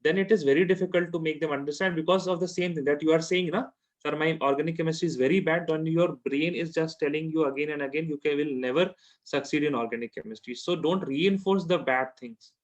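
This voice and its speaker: In informal one-to-one chemistry tutoring, a man with a South Asian accent talks fairly quickly in a voice that sits a little high. He tends to repeat his phrases and often checks understanding by asking questions.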